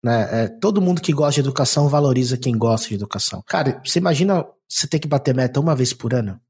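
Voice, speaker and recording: A man from Brazil, talking in a casual, animated, slangy way and acting out quoted dialogue. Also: mid-range voice, quick pace, slightly rough. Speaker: podcast co-host. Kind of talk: casual chat.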